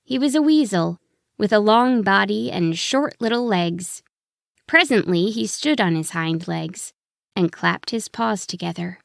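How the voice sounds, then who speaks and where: A woman narrating a scripted children's story in an expressive, deliberate way. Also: mid-range voice, creaky, no room sound, clean studio sound.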